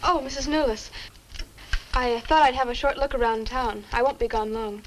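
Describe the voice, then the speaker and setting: A woman's voice: on the high side, steady tone, normal speed, close to an everyday voice. An actress playing a polite, inquisitive young female student in a 1960s horror film, with an earnest manner. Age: young adult. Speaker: college student. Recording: noisy old film soundtrack.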